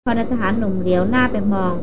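A woman narrating an adventure novel as an audiobook reader, in a steady, even storytelling voice. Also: medium pitch, fast, highs cut off, crowd noise.

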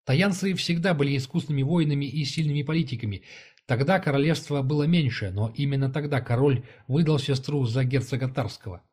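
A man narrating a fantasy novel as an audiobook, in an even, measured reading style. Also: mid-range voice, husky.

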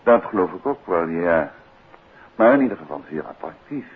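Deep-voiced, animated 1950s radio detective. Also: male voice, normal speed, gravelly, husky, exaggerated voice. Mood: wry, relaxed. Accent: Netherlands Dutch. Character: urbane male amateur detective, confident, inquisitive, married. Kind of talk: 1950s Dutch radio play acting. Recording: muffled noisy 1950s radio recording.

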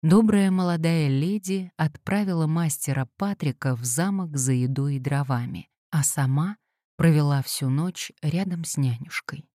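Low, warm-voiced woman reading an audiobook. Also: dry recording, clean studio sound. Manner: measured, even literary reading. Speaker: audiobook reader. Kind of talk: scripted audiobook narration.

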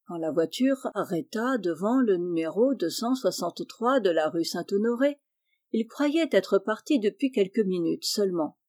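A woman narrating a classic storybook in a calm, measured way. Her voice is mellow and dark-toned, at a medium pitch for a woman. It is a plain audiobook reading. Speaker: audiobook reader.

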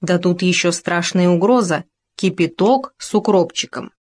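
A woman narrating a children's story in a lively, expressive reading voice. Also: lowish voice, normal speed.

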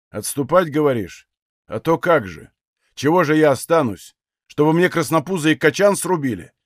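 A man's voice: no echo, clean studio sound. A man as a weary, grim Cossack soldier. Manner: low, grim, subdued.

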